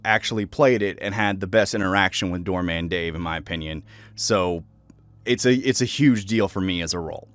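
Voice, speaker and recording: A man's voice: fairly low pitch, no room sound. A young adult man, a voice actor, talking casually and reflectively about his work. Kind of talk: casual reflective commentary on own roles.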